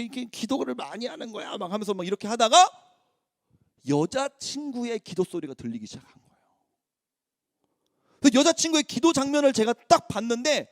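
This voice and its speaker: High-voiced, animated youth pastor. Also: male voice, no echo, clean studio sound. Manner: chatty, storytelling, acts out quotes; informal speech mixed with polite forms. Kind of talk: casual sermon to teenagers.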